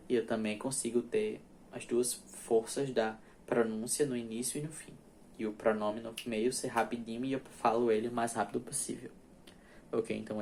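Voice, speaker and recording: A man's voice: mid-range voice, a little mellow, a little hiss or hum. Man patiently teaching English grammar. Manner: patient, repeats examples slowly, checks understanding with "tá?". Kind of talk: explaining grammar in a recorded class.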